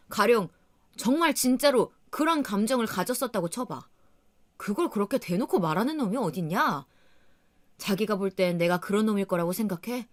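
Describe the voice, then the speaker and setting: A woman's voice: medium pitch, lightly acted. A woman playing an exasperated young husband. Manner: insistent, reasoning, lecturing tone.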